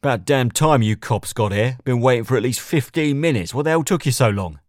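A man's voice: mid-range voice, animated, fairly quick, dry recording, clean studio sound, pitched above the performer's own voice, natural voice. A man voicing a tired, irritable civilian who grumbles and complains with exasperation. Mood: irritated.

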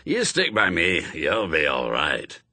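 A cocksure older man from an audiobook, put on by a male reader. He is boastful and protective, with very varied pitch. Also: huge pitch swings, takes it slowly, bright, forceful tone, no room sound, full character voice.

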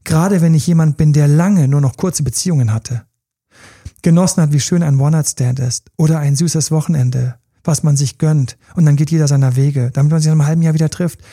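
A man's voice: on the high side, a little fast, dark tone, breathy edge, dry recording, clean studio sound. A man giving relationship coaching in a podcast monologue, talking straight to his listeners in a direct, informal way.

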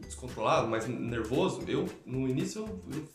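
A man's voice: medium pitch, expressive, normal speed. Brazilian man, echoey room, faint music. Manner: explains through everyday examples. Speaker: live stream host. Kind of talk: casual conversation on teaching children.

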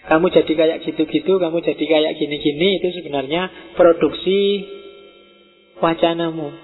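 A middle-aged man giving a relaxed, conversational philosophy lecture to students and slipping into Javanese words. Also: fairly high pitch, moderate pace, slightly rough, soft background music. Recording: tinny phone-like audio in a reverberant hall.

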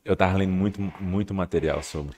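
A man's voice: sits low, fairly even intonation, brisk, darkish tone. A young man with a Brazilian Portuguese accent, co-hosting a casual podcast chat, joking and playful. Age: young adult. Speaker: podcast co-host.

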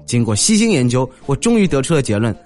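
A young man in his twenties who tells comic stories in a monologue. He talks in an animated way and often jumps into high character voices. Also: fast talker, soft background music. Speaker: comedic storyteller.

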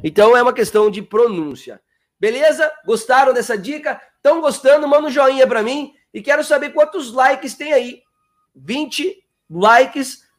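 High-voiced man teaching English live. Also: fairly bright tone. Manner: chatty, coaxing, reads viewers' names; repeats words slowly to model pronunciation. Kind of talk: live-streamed lesson.

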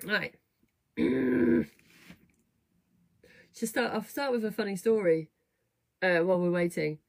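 A woman hosting a fitness studio livestream, chatting casually to viewers in a slightly croaky, rough voice, rambling with lots of fillers. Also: mid-range voice, animated, takes it slowly. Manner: chatty, rambling, self-deprecating, many fillers. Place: home, at a desk. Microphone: webcam or computer mic at a desk.

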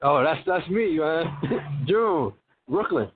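A man's voice: on the high side, sing-song, slow pace, breathy edge, faint music behind. A man calling in on a speakerphone from outdoors by a street, his voice echoing as if in a tunnel. He talks in an easygoing way and chuckles between remarks. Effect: echoing, tunnel-like speakerphone sound. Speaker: caller. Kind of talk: casual chat. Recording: tinny phone line on speaker. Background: passing traffic.

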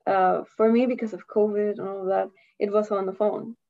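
A young woman speaks English, her voice mellow and rounded. She chats loosely, laughing and letting sentences trail off. The sound is dull and lo-fi. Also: medium pitch, steady tone, a little fast, creaky. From Costa Rica. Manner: chatty, laughs often, trails off mid-sentence. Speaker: guest, university student. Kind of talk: casual interview chat. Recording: dull lo-fi audio.

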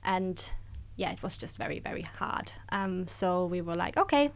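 A woman in her thirties with an Austrian accent appears as a guest on an interview podcast, where she directs an accelerator program. Her fairly low voice has lively intonation, and she chats openly and cheerfully, tossing in quick asides with laughs.

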